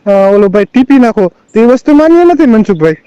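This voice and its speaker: A man's voice: high-pitched, big pitch swings, brisk, dark tone, clear, resonant tone, no echo. A middle-aged man with a rural Saurashtra Gujarati accent on a recorded phone call, arguing defensively and insistently and repeating himself. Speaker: phone caller. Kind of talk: heated personal phone conversation.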